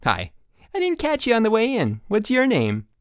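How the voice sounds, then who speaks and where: Man putting on a high, gushing, cheery camp counselor. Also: wildly swooping pitch, moderate pace, clean tone, dry recording, clean studio sound. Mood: bright, eager. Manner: bright, forced enthusiasm. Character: relentlessly cheerful young male camp counselor.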